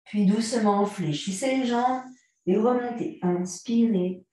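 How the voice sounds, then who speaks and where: A woman guiding a yoga class, giving calm, unhurried cues timed to the breath. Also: mid-range voice. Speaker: yoga teacher. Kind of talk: guided yoga class instruction. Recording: very echoey room, mic far off.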